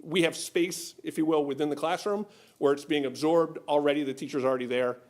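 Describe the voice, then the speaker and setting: A man's voice: a little high, steady tone, brisk, a little mellow. Patient man explaining school budgets. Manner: patient, explanatory, many restarts and "right?". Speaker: school finance official. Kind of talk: explaining budget at a public meeting.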